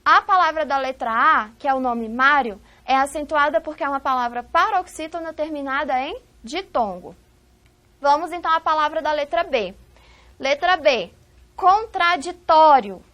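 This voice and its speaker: A woman's voice: high voice, lively intonation, moderate pace, sharp tone. A woman with a Brazilian Portuguese accent teaching a recorded video lesson, posing questions to the class and answering them herself. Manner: didactic, asks rhetorical questions and answers them.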